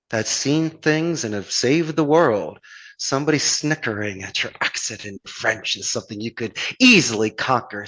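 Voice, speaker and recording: A man's voice: medium pitch, a bit bright, poor audio. Philadelphia man in earnest motivational conversation. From Philadelphia, United States. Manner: earnest, flowery, motivational talk full of rhetorical questions. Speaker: podcast guest, call center owner. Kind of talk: conversational podcast interview, motivational anecdotes.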